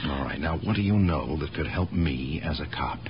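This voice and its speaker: An actor playing a harried, wry police detective and dutiful nephew in a 1970s radio drama, impatient and pleading by turns. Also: male voice, a bass voice, moderate pace. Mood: wry, baffled. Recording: dull, noisy 1970s radio broadcast recording.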